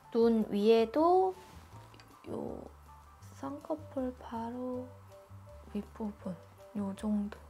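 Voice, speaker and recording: A woman's voice: mid-range voice, dark tone. A woman hosting a makeup tutorial, explaining each step in a chatty, informal way. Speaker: beauty YouTuber.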